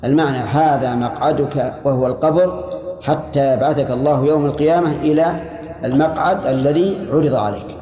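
A man's voice: on the high side, steady tone, a little fast, roomy sound, crowd noise. A man, teaching and commenting on a text a student reads aloud. He explains points plainly and corrects the reader. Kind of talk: lesson commentary.

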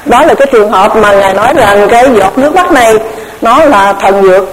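A woman giving a Buddhist dharma lecture, measured and explanatory, often repeating words as she searches for the next one. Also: medium pitch, animated, a crowd in the background, low-quality recording. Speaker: Buddhist Abhidhamma teacher.

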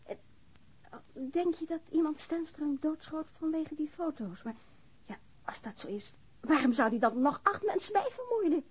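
A woman's voice: high-pitched, lively intonation, moderate pace. An actress playing a playful, frank young wife and mother in a naturalistic radio drama. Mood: questioning. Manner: teasing, frank.

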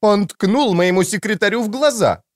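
Man doing a shrill, outraged woman. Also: sing-song, normal speed, a little mellow, dry recording, studio quality.

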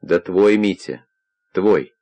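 A man reading the part of a calm, kindly older investigator who questions in a persuasive, probing way. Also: low voice, takes it slowly.

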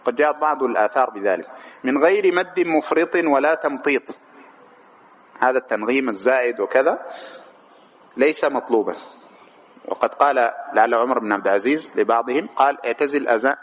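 A man's voice: medium pitch, fast, slightly rough, muffled recording. A man teaching a lesson on religious law, explaining a text line by line and stopping to pose questions he answers himself. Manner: keeps asking rhetorical questions and answers them himself; demonstrates correct and wrong pronunciations. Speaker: teacher of Islamic jurisprudence.

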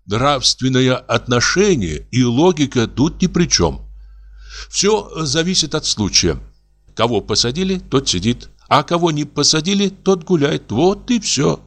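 A meek doctor answers softly and apologetically, trying to soothe. A man gives him voice in a storybook reading, his tone raised a little with lively inflection. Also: fairly high pitch, a little slow, pitched above the performer's own voice, exaggerated voice. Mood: soothing. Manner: soft, mild, apologetic. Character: meek, gentle middle-aged male doctor.

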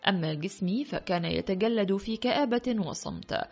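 A woman narrating a literary audiobook in a measured, reflective way. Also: medium pitch, expressive. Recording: dull lo-fi audio with faint music.

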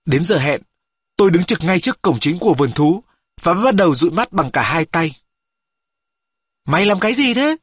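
A man reading a first-person story aloud as an audiobook, steady and storytelling. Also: fairly high pitch, a little fast, breathy edge, no room sound, clean studio sound. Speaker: audiobook reader. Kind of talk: scripted narration.

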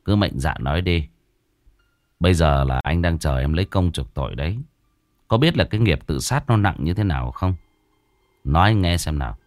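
A composed young exorcist, played by a man gives orders in a low, even voice. He speaks unhurried and firm, with lively turns of phrase, recorded dry and close for a spoken ghost story. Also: no room sound. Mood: commanding. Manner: measured, commanding, steady. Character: calm, authoritative young male exorcist.

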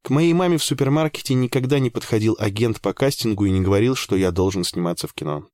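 A man with a lowish voice reads a first-person story aloud in a steady, measured way. His tone stays dry and understated. The recording is close and dead, with no room sound. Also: no room sound. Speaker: audiobook narrator. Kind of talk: first-person audiobook narration.

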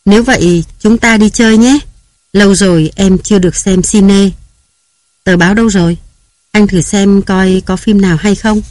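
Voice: mid-range voice, a little slow, long pauses, darkish tone, dry recording, lightly acted. The narrator voicing a young wife, just woken, who speaks in slightly raised, eager questions. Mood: cheerful. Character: drowsy young wife, anxious and impulsive.

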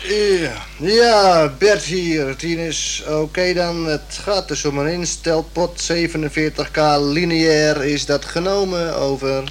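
A man's voice: fairly high pitch, takes it slowly, few pauses. An actor playing a polite, simple young working-class repairman, hesitant and plain-spoken, in a radio play. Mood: businesslike. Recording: slightly noisy old radio play recording.

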